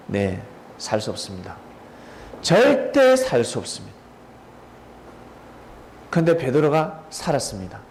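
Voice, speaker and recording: A male pastor giving a dramatic storytelling sermon, pausing to quiz listeners by name. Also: mid-range voice, a little mellow, slight background noise. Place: church sanctuary.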